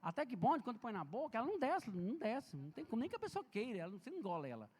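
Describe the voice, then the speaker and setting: A man's voice: extremely high pitch, big pitch swings, racing, darkish tone, breathy edge. A man giving an informal seminar talk on health and safety in a church, chatty and storytelling, talking straight to the audience. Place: large church hall. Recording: long reverb in a big church hall.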